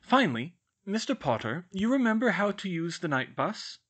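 A man voicing a stern, formal older woman professor who speaks in a crisp, clipped, disapproving way. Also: sits high, sing-song, moderate pace, a bit bright, pitched above the performer's own voice, heavily acted.

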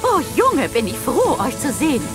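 Lively, high-voiced cartoon firefighter. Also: female voice, moderate pace, over music. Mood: relieved. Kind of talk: children's cartoon dubbing.

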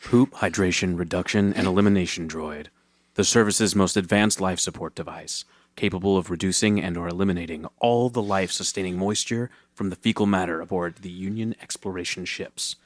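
A man plays a grandiose sci-fi narrator with a deep voice. He reads scripted audio drama in a mock-solemn, dramatic way, recorded close and dry. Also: a little fast, no room sound, close to an everyday voice. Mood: declaratory.

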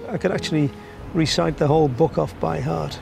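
An older man with a Liverpool accent, interviewed outdoors on a street and speaking in a relaxed way with hesitations. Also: on the high side, a little fast, gravelly, over music. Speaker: interviewee, local artist. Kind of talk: documentary interview.

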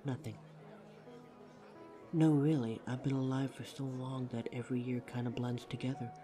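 A man's voice: mid-range voice, level tone, moderate pace, close to an everyday voice. Easygoing immortal man acting over music. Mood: relaxed, fond. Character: ageless, easygoing immortal working in a coffee house. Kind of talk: audio drama monologue.

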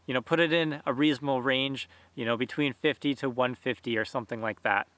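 A man in his thirties chats to camera in a forest with a bright, forceful voice. His talk is relaxed and loose, full of fillers, and the sound is dry and close. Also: medium pitch, brisk, no echo. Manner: relaxed, conversational, lots of fillers. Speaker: bushcraft channel host. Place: outdoors in a forest. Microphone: camera at close range.

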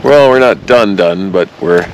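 A man's voice: deep voice, unhurried, poor audio. A man hosting a fishing vlog from an open boat, chatting in a teasing, upbeat way. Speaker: fishing guide and host. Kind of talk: casual vlog chat. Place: open boat on a windy lake. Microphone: action camera on the boat. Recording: wind and boat motor noise.

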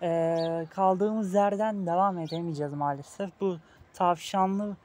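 A man's voice: sits high, fairly even intonation, measured pace, a little mellow, a little hiss or hum. A young man hosting a casual let's-play, talking the viewers through the game and playfully teasing the game baby with mock insults. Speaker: gaming video host. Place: outdoors in a park.

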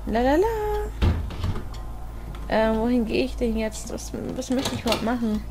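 Excitable woman narrating a horror game. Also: fairly high pitch, fairly quick. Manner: excitable and chatty, talks to herself, swears. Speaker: let's play gamer.

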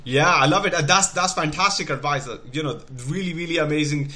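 A man's voice: a little high, fast talker, pushed and bright. A man hosting a video interview show, affirming his guest enthusiastically before raising a new point. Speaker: show host.

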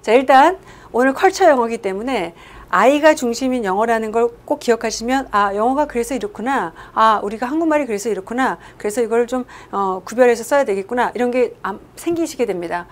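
A woman teaching English to a class. She asks the class questions and acts out short example dialogues. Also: on the high side. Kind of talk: lecture-style English lesson.

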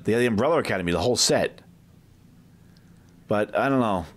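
A comic-collecting video host tours a packed medium-sized shop with a handheld camera in hand, talking casually and often tagging questions onto his remarks. His voice is lowish and brisk, with lively intonation.

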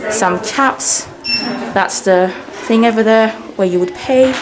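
A woman's voice: takes it slowly, a crowd in the background. A woman in her thirties whose first language is Persian, giving an upbeat, chatty walking tour of a hotel while she films herself. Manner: chatty, upbeat, lively ups and downs in pitch. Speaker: travel vlogger. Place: indoor hotel lobby and halls. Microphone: handheld camera, self-filmed. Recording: noisy handheld camera audio.

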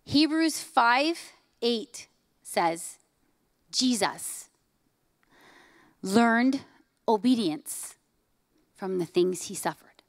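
A woman in her forties preaching a sermon on a church stage into a handheld mic, emphatic, often dropping to hushed lines. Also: fairly high pitch, expressive, drawn-out words, long pauses, dry recording, studio quality. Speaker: pastor. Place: church stage, large hall.

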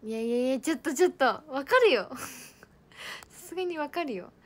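A woman's voice: high voice, lively intonation, moderate pace. A young woman chatting casually on a livestream, bubbly and giggly, reading out viewer comments. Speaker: idol livestream host.

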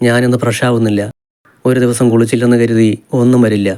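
A man's voice: mid-range voice, flat delivery, quick pace, mellow, clear, resonant tone, close to an everyday voice. A man voicing a tearful stubborn young wife. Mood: sulky. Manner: pleading, defiant.

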